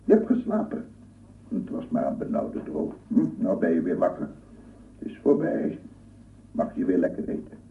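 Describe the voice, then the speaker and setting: A man's voice: low-pitched, creaky, slight background noise, exaggerated voice. An actor playing an obsessive lone scientist in a radio play, cooing and murmuring repetitively as he does with his dog. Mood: gentle, coaxing. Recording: echoey, distant, phone-like old radio recording.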